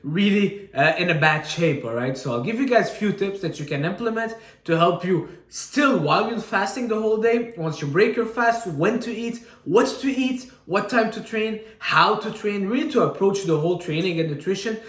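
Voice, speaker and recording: Energetic fitness coach from Syria. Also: male voice, high voice, moderate pace, hardly any pauses, roomy sound. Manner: energetic, repeats "all right?" often. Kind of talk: casual fitness advice to camera.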